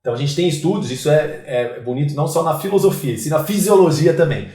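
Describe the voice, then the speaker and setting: A man's voice: a little high, lively intonation, fast, mellow. A man with a Santos Brazilian Portuguese accent explains things as an interview guest, emphatically, often posing questions and answering them himself. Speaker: interview guest, fitness coach and gym owner. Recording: roomy, echoing interview sound.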